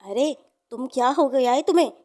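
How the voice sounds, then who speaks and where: A woman's voice: sits high, fairly quick, darkish tone, close to an everyday voice. A woman voicing a poor, worried and protective mother in a children's story, plaintive and emphatic. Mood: angry, protective. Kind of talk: children's moral story character acting.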